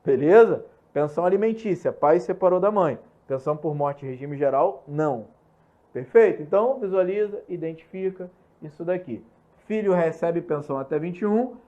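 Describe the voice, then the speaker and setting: A young man with a Brazilian Portuguese accent teaching an online law lesson, repeating key points and checking in with quick questions. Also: fairly high pitch, expressive, warm tone. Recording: slightly muffled lo-fi recording.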